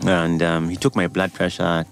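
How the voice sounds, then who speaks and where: A Ugandan man in his forties, a doctor, telling his life story in a relaxed interview with easy laughs. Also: low-pitched, moderate pace, faint music behind. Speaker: doctor and guest. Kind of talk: casual interview chat.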